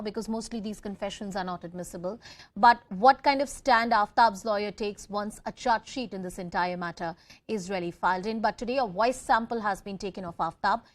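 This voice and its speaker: A woman news anchor with an Indian English accent, presenting live news in an emphatic, deliberate way. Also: medium pitch.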